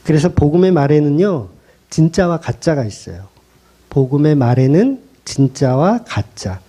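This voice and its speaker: A man's voice: a little high, sing-song, normal speed, dark tone. A male pastor preaching a sermon in a blunt, colloquial way, pressing the congregation with rhetorical questions.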